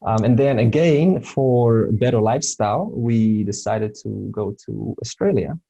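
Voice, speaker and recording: Brief: male teacher from serbia, native serbo-croatian speaker, dark mellow tone, halting talk full of fillers. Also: fairly low pitch, gravelly, husky, lo-fi sound. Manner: hesitant, many fillers and restarts. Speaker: spiritual teacher. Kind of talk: informal lesson talk.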